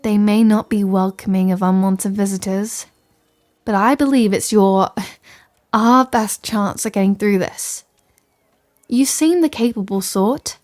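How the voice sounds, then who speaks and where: A woman's voice: medium pitch, a little slow, a little mellow, lightly acted. A woman playing a capable, caring scholarly wizard in an ASMR fantasy roleplay, speaking to the listener in an articulate, bookish, reassuring way. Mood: thoughtful, resolute. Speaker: audio roleplay performer.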